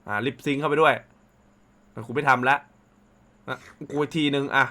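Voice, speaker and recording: A man hosting a casual reaction video, excitable and full of exclamations and swearing. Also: mid-range voice, moderate pace. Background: background music.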